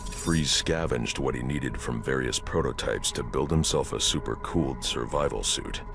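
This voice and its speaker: A super deep gravelly caped detective, grim and clipped, game music under it. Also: male voice, moderate pace. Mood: analytical. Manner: terse, clipped investigative monologue. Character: grim brooding masked male vigilante detective. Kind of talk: video game cutscene voice acting.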